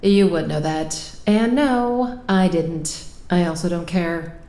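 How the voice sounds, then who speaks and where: A woman's voice: lowish voice, slow, dark tone, echoey room. A woman acting in an audio drama as a guarded, sarcastic, stubborn woman with a dry, weary, curt delivery.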